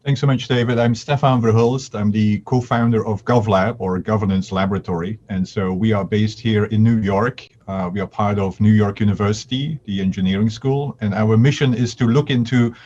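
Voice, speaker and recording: Low-voiced man on dull audio. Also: fairly even intonation, darkish tone. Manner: fluent, with filler pauses. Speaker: co-founder of a research lab. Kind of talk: panel self-introduction. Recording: dull lo-fi video call audio.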